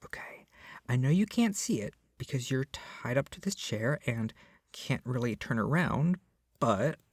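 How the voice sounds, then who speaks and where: A man playing a lovestruck, clingy young kidnapper in an intimate ASMR roleplay, speaking softly and earnestly with gushing, coaxing tenderness. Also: mid-range voice, no echo, studio quality, exaggerated voice. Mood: sheepish, earnest. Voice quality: soft, breathy, often dropping to a whisper. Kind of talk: ASMR roleplay, intimate second-person acting. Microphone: close microphone, dry.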